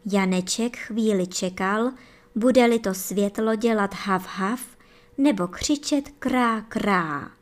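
A woman gently and expressively reading a bedtime fairy tale for children. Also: medium pitch. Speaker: storyteller.

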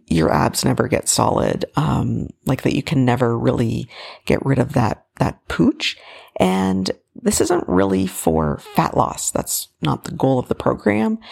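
A woman hosts a relaxed solo podcast, chatty and loose with plenty of fillers. Her voice is worn and raspy, with a heavy gravelly fry and a husky edge. Her pitch still rises and falls in a lively way as she talks. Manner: chatty, full of fillers and restarts. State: raspy, tired voice. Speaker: podcast host. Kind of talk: casual solo podcast update.

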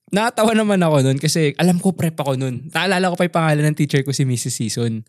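A young man co-hosting a podcast, telling lively stories from his childhood, acting out quoted lines and swearing casually. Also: fairly high pitch, fast talker, dry recording, clean studio sound. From Philippines. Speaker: podcast co-host. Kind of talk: casual chat.

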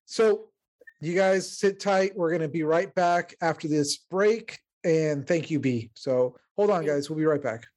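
A man's voice: on the high side, a little slow. Podcast host, man, Mexican accent, loose and joking, casual chat delivery. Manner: relaxed, joking, loose trailing phrasing.

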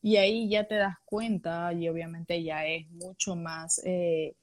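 Low-voiced woman explaining in casual talk. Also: steady tone, a little slow. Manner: explanatory, builds points with examples. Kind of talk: casual conversation on emotions.

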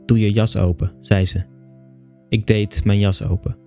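A man tells a bedtime story in a calm, even, dryly understated way. His voice sits low and mellow, unhurried and steady. Soft music plays faintly behind him. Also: gravelly. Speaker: audiobook reader. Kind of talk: scripted narration of a bedtime story.

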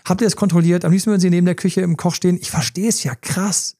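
A middle-aged man with a fairly high, mellow voice hosts a casual podcast as a coach. He tells stories with animated energy and acts out little inner voices as he goes. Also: quick pace. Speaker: relationship coach and podcast host.

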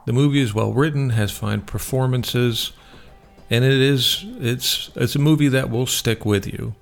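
A man's voice: mid-range voice, a little slow, creaky, soft background music. A man hosting a radio show, giving film reviews.

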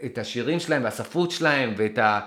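A man from Israel talking straight to his viewers in a loose, thinking-aloud monologue. His voice is bright and forward at an ordinary middle pitch. He trails off and restarts often, then pushes his points with animated emphasis. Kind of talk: casual rambling monologue.

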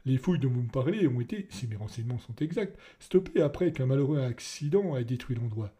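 A man's voice: medium pitch, expressive, fairly quick, warm tone, breathy edge. A man voicing an awkward young ministry official who stammers nervously.

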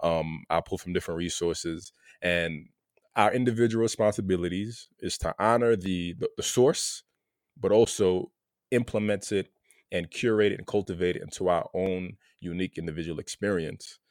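A Haitian American man talking through his thoughts in a relaxed conversation, often repeating words as he searches for them. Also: sits low, normal speed, dry recording, studio quality. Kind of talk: casual conversation.

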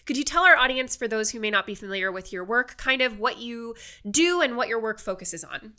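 Female host, bright and forward, with a congested, hollow blocked-nose sound; casual, chatty, emphatic delivery. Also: on the high side, lively intonation, brisk. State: congested, stuffed-up nose from a cold. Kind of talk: chatty show introduction and interview.

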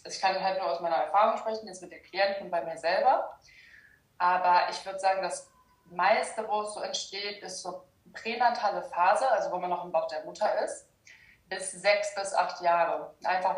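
A young adult woman from Germany explains her work in a relaxed interview. She talks hesitantly, with many fillers and restarts. She is heard from a distance, in an echoey room. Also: lowish voice. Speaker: guest, shadow work practitioner. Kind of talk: casual interview talk. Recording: roomy, distant sound.

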